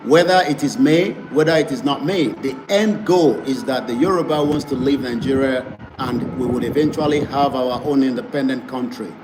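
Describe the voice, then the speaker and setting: A man's voice: mid-range voice, normal speed. A man hosting an online advocacy broadcast, speaking in an emphatic, repetitive campaigning manner. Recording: noisy background.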